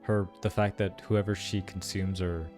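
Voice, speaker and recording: Low-voiced young man, casual game reactions. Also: little pitch movement, normal speed, darkish tone. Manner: informal, musing. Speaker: gaming content creator. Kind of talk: casual playthrough reaction and commentary. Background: faint game music.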